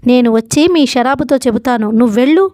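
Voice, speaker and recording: A woman voicing a proud young husband who speaks quietly and curtly, in an audiobook. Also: fairly high pitch, a little fast, no room sound, studio quality, natural voice. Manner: quiet and restrained. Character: proud, curt young husband short of money.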